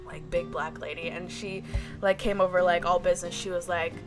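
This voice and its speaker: A woman's voice: on the low side, brisk. A woman vlogger telling a storytime about her day, with lots of "like" and small restarts, acting out what other people said. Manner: animated retelling, heavy use of "like", mimics others. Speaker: artist vlogger. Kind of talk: storytime vlog. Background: background music.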